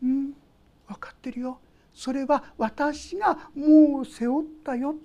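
A woman preacher voicing God as gentle, knowing and forgiving, with soft, reassuring lines that sometimes drop to a whisper. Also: sits high, fairly even intonation, takes it slowly, pitched above the performer's own voice. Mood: tender reassurance.

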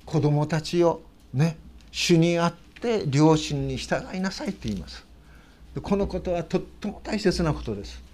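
Speaking with a Tochigi Japanese accent, this older man from Tochigi is a pastor delivering an earnest, emphatic sermon full of tag questions and rising sentence endings. His pitch leans high, his tone is darkish, and he keeps a moderate pace.

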